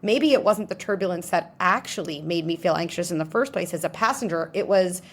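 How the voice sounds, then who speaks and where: A woman being interviewed, explaining ideas in an animated way and acting out little scenarios in different voices. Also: on the low side, a little fast. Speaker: guest psychologist. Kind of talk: interview answers.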